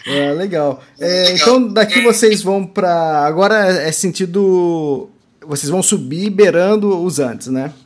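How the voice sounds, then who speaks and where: A man's voice: sits high, a little slow. A man interviewing travellers, friendly, often prompting with tag questions.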